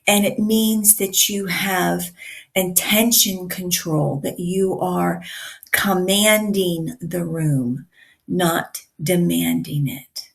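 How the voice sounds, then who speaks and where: Woman communication coach, slightly raspy, unhurried and emphatic, gravelly edge. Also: lowish voice, steady tone. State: raspy from yelling at a concert. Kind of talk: teaching to camera.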